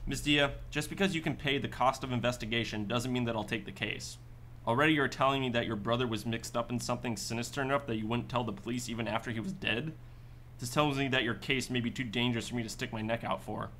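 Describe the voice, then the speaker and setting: Man acting as a bright-voiced, wry private detective. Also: medium pitch, steady tone, quick pace, a little hiss or hum, close to an everyday voice. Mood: businesslike. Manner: dry, offhand, sardonic. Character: wry, laid-back male private detective in futuristic Boston. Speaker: actor in a radio play. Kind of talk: sci-fi radio drama acting.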